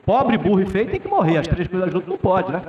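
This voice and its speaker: A man's voice: high-pitched, wildly swooping pitch, fast talker, muffled recording, a crowd in the background. A man in his fifties from Brazil giving a lecture and telling a personal story in a conversational way, often tagging his sentences with a questioning "né?". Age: 50s. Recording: echoey hall from far off with faint noise.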